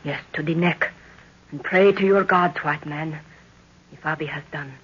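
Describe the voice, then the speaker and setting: A woman's voice: sits low, steady tone, unhurried, fairly bright tone, breathy edge, heavily acted. An actress playing a commanding tribal witch woman in a 1930s radio serial, speaking in formal, incantatory phrases. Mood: grave, urgent. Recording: muffled, noisy 1930s radio recording.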